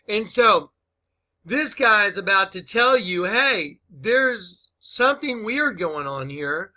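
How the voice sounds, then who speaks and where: Forceful, high-pitched man, emphatic American commentator. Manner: emphatic, urgent, folksy, commanding. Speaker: online commentator. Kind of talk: impassioned commentary on a played clip.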